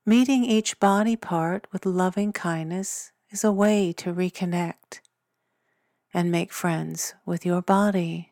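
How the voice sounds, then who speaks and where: A woman leading a guided body scan meditation in a gentle, soothing manner. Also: lowish voice, slow, no room sound, clean studio sound.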